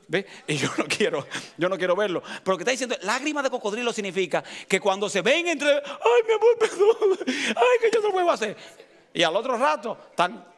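A man's voice: high-pitched, a bit bright. A middle-aged male pastor preaching a sermon, asking the congregation rhetorical questions.

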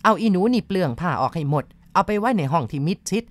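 A woman's voice: fairly low pitch, animated, fast talker, natural voice. A woman voicing a stern old woman exorcist who gives harsh, commanding orders. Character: stern old female village exorcist, forceful.

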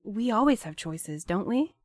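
A woman playing a gentle, hesitant, romantic young courier in an audio drama, thoughtful and a little awkward. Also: mid-range voice, animated, a little slow, dry recording, clean studio sound.

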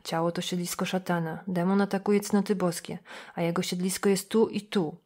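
Fanatyczny kapłan egzorcysta z audiobooka, mówiący podniośle i rozkazującym tonem, czytany przez kobietę. Każde zdanie brzmi jak kazanie. Głos jest poważny i pewny siebie. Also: female voice, on the low side, flat delivery, a little fast, a little mellow. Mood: preaching. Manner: solemn, declaiming. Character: fanatical male priest, commanding exorcist.

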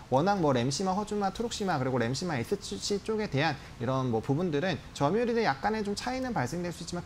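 Fast-talking, animated male stock analyst. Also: fairly high pitch, a little hiss or hum. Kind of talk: live market analysis commentary. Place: TV studio desk.

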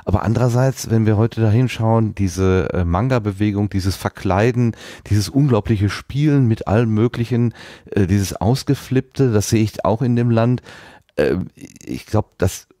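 A man with a low, dark voice hosts a casual podcast interview. He muses hesitantly as he works toward his questions. The sound is dry, with very little room in it. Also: moderate pace, no room sound. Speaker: podcast host.

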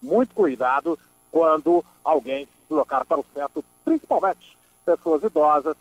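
A man's voice: on the high side, lively intonation, moderate pace, no room sound, poor audio. A man from inland São delivers a police news bulletin as a reporter, emphatically, repeating phrases for stress and adding conversational asides. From Brazil. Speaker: police-beat radio reporter. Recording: dry voice over background music. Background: background music.

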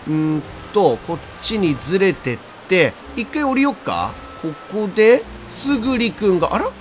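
A man's voice: high voice, very animated, moderate pace. A man playing a video game and commentating casually, reading in-game dialogue aloud and chatting to viewers with frequent laughs. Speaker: let's play streamer. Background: faint game music.

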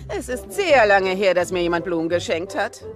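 Woman as a teasing mammoth mom, lively voice, music behind. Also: mid-range voice, moderate pace, close to an everyday voice. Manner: teasing, motherly. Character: warm teasing mammoth mother.

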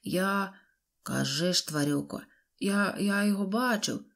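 A man's voice: high-pitched, a little slow, vocal fry, a bit bright, heavily acted. A woman plays a frightened village man, half dead with fear, stammering and pleading in a raised, strained voice. The storybook figure keeps tripping over his own words.

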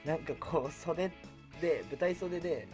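A man's voice: on the high side, a little slow, music in the background. A man chatting casually as a guest on a radio show, recorded on a studio mic. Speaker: guest voice and stage actor. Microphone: studio boom mic.

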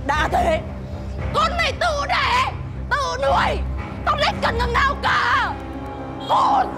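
A heartbroken pregnant young woman, her voice very high and tearful. She lashes out in rage and sobs, over a swelling drama score. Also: animated, moderate pace. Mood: furious. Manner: shouts in rage then sobs. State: crying. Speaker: lead character. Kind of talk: TV drama acting. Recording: music score behind.

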